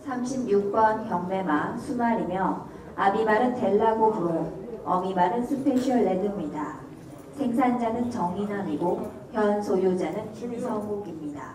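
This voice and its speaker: A woman's voice: mid-range voice, moderate pace. Lady announcer reading out auction lot details formally, far from mic, echoey hall with crowd noise. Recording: echoey venue, distant mic, crowd behind.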